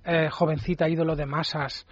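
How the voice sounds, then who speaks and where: A man's voice: a little high, level tone, moderate pace. A man chatting as a radio guest, making wry, enthusiastic quips. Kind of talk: casual radio chat. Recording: lo-fi radio with noise.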